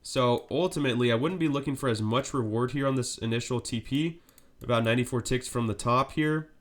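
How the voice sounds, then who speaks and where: A man with a stuffed-up voice from a cold talks a little fast at a medium pitch while streaming live market commentary. His delivery is steady and explanatory, punctuated by frequent "right?" check-ins.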